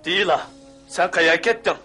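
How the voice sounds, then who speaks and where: A man voicing a brave young male hero in a cartoon dub, talking briskly and earnestly. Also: high-pitched, sharp tone, soft background music.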